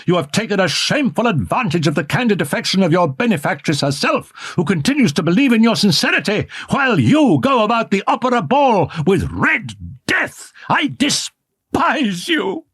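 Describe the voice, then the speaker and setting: A man's voice: high voice, lively intonation, a little slow, a bit bright, no room sound, studio quality, pitched above the performer's own voice, heavily acted. A man voicing a jealous, wounded young lover who lashes out with bitter, anguished words. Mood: furious, anguished. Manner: anguished, sarcastic outbursts.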